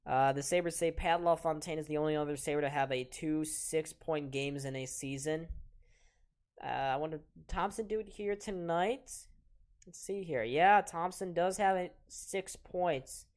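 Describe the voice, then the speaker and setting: An eighteen-year-old man with a soft voice, casually calling live hockey play-by-play on a stream and chatting with viewers between plays. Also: fairly high pitch, unhurried. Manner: chatty, reads chat aloud and talks to viewers between plays. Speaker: play-by-play commentator and stream host.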